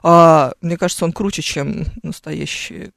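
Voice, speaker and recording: A woman's voice: deep voice, steady tone, unhurried, gravelly, dry recording. A woman co-hosting a radio morning show, telling travel stories in a chatty, ironic way into a studio microphone. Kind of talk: casual on-air chat.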